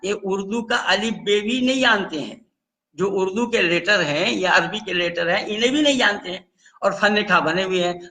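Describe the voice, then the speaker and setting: An older man giving a heated lecture on religious debate, scolding his opponents and spelling out letters slowly. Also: high voice, sharp tone, rough recording.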